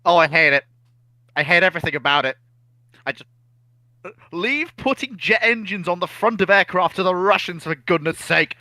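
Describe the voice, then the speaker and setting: A man with a bright, forceful voice of medium pitch argues casually on a livestream panel. He sounds emphatic and wry, recorded close and dry. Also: lively intonation, moderate pace, long pauses, dry recording. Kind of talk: casual opinionated chat.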